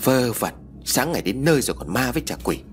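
A man's voice: mid-range voice, big pitch swings, fast, slight background noise, natural voice. A man voicing a practical middle-aged uncle who explains and brushes off fears. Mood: dismissive. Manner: matter-of-fact, dismissive.

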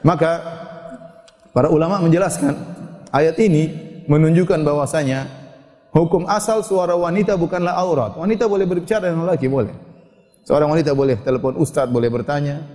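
A man preaches to a gathering of women, slowing down to chant scripture and then explaining it. His voice is warm and mellow, pitched a touch high. It rings with a long reverb, as if in a large hall. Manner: recites Arabic verses slowly then explains. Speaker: Islamic preacher. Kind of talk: religious lecture to women.

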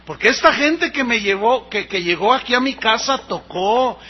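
A Mexican man preaching a sermon, telling a personal story and acting out the dialogue with lively energy. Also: very high-pitched, moderate pace, husky, muffled recording. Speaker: pastor.

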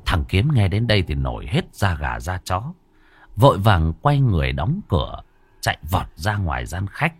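Expressive male storyteller. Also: low voice, moderate pace, husky, no room sound. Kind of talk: ghost story narration.

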